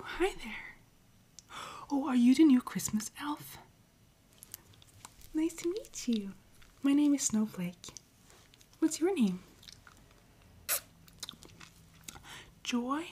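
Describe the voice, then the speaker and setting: A woman playing a friendly, patient Christmas elf helper in an ASMR roleplay, speaking softly and breathily, often in a whisper. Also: sits high, a little hiss or hum. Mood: sweetly welcoming. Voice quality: soft, breathy, frequently whispering. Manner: gentle, encouraging, unhurried. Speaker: ASMR performer.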